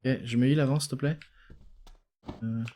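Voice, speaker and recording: A man's voice: medium pitch, steady tone, moderate pace, warm tone, a little hiss or hum. A man streaming a game live, chatting casually, reacting aloud and swearing freely as he plays. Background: game music.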